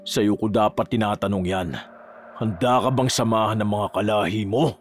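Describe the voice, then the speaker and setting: A man voicing a grim, low-voiced monster hunter. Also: moderate pace, soft background music, close to an everyday voice. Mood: stern. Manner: low, steady, stern; shouts in a rage when calling out. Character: grim young male aswang hunter, steady.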